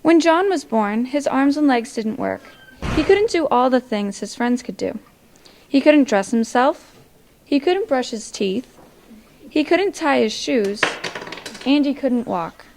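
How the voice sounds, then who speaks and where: A woman's voice: sits high, animated, measured pace, a little mellow, a little hiss or hum. A young woman reading a story aloud to children in a library. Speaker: volunteer storybook reader. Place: public library, indoors.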